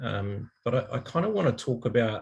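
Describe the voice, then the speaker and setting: Against a quiet background, a somewhat breathy man speaks with a New Zealand accent. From New Zealand, Wellington. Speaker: business founder and speaker. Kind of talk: fireside chat.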